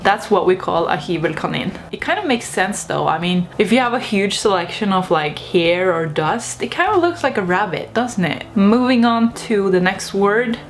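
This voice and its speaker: A woman's voice: fairly low pitch, a little hiss or hum. Chatty young woman vlogger. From Norway. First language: Norwegian. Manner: chatty, lively, laughs at her own points. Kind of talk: casual video monologue.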